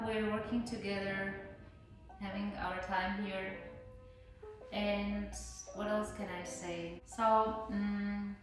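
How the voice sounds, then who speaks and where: Young woman, Georgian accent, native Georgian speaker, hesitant podcast chat, very echoey room, clear music underneath. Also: medium pitch, distant mic. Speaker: podcast co-host, volunteer. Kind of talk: casual podcast conversation.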